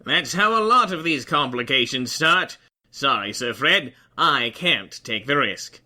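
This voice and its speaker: A man's voice: mid-range voice, lively intonation, unhurried, pushed and bright. A man playing an earnest, foolish, romance-obsessed adventurer in an audio fantasy comedy, melodramatic and apologetic. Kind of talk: audio fiction comedy acting.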